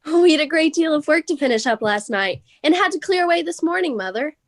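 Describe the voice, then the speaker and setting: An affectionate young Victorian daughter played by a woman in a radio drama. She is high-voiced and lively, with a cheerful manner. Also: brisk. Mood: cheerful, fond. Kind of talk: radio play acting of a Victorian tale.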